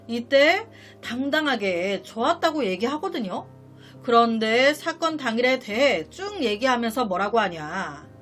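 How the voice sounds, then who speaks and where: A woman narrating a dramatic true-life story, talking straight to her viewers and sounding indignant at what she recounts. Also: fairly high pitch.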